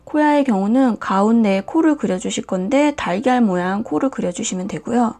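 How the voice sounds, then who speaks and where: A woman hosting a nail art and drawing tutorial, talking calmly step by step and often dropping to a whisper. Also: a little high. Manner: calm, slow, often drops to a whisper. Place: indoors at a desk, hands on camera.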